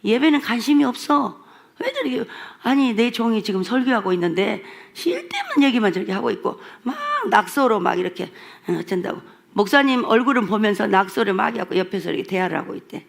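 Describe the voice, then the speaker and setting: A woman pastor with a Jeolla accent preaches in a church sanctuary, pressing her points in an emphatic, repetitive, scolding way. Her voice has a gravelly, creaky edge and sits at an ordinary mid pitch. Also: big pitch swings, a little fast. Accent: Jeolla Korean. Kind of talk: revival sermon.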